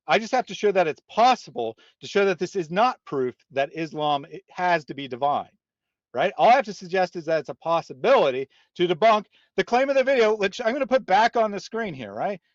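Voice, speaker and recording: Animated, insistent man hosting a debate stream. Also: sits high, no echo, highs cut off. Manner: argumentative, insistent. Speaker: livestream host. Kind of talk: live reaction and debate commentary. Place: indoors, live online stream.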